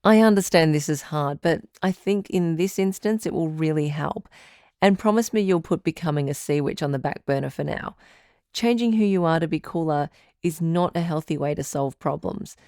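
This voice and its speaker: A woman playing a calm, caring radio advice doctor who hosts a call-in show in a measured, reassuring way. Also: low-pitched, no room sound, clean studio sound.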